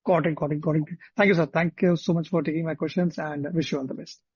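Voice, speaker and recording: Male analyst, high-pitched, polite hesitant questioning, dull dry call audio. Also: fairly even intonation, fast talker, darkish tone, slightly rough, no room sound. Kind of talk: unscripted question on earnings call. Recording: dry but muffled phone conference audio.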